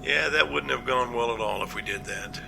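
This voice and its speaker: A man playing an earnest, cautious captain in an amateur audio drama, reporting in a measured, matter-of-fact way. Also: mid-range voice, vocal fry, sharp tone, slight background noise, full character voice. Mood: cautious, firm. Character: male captain, earnest, practical, cautious, plain-spoken.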